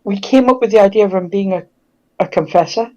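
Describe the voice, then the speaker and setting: Halting, reflective man in casual discussion. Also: high-pitched, mellow, highs cut off.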